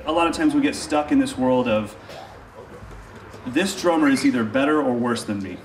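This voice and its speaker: A man teaching a drum class, energetic, encouraging and joking with his students. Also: mid-range voice, moderate pace, distant mic, slight background noise. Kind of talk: live drum lesson teaching.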